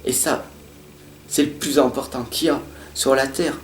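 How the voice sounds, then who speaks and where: A man giving a monthly horoscope reading from tarot cards, talking in an earnest, repetitive motivational way, stuttering at times and swinging between loud and soft. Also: medium pitch, steady tone, normal speed, slight background noise. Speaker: tarot reader. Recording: roomy sound with faint guitar music.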